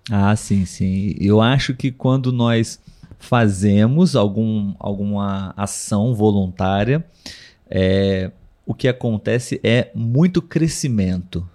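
A man with a Brazilian Portuguese accent hosting a live podcast conversation, talking slowly and thoughtfully with many pauses and fillers. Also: fairly low pitch, warm tone. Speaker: podcast host.

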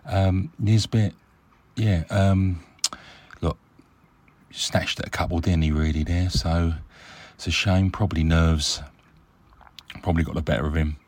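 Deep-voiced man on a voice message. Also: a little slow. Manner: relaxed, chatty, hesitant with many ums. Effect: recorded voice message. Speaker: caller. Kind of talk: casual fan phone-in.

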